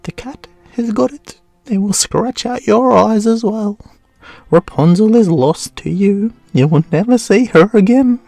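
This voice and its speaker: Aussie guy doing a mean old witch lady, high gravelly voice, mocking storybook villain, music behind. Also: a little slow, dark tone, no echo, full character voice. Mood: gloating. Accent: Australian. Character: wicked, mocking old enchantress woman, furious and gloating. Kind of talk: storybook character voice.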